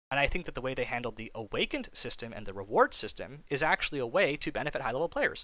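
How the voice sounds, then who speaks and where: Speaking in a bright, sharp tone, a man goes at a very fast pace. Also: very clean recording, silent background. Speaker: gaming commentator. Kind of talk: reaction commentary. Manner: rambling, hesitant with many fillers.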